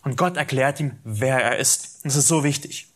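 A man's voice: medium pitch, moderate pace, a bit bright. A man preaching a sermon, teaching from the Bible, speaking directly to his listeners and acting out quoted dialogue with animation.

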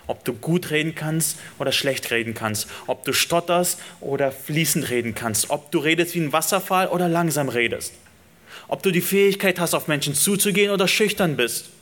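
A man's voice: a little high, fairly bright tone. A man preaching a sermon, speaking earnestly and directly to his listeners and building emphasis through repeated phrases.

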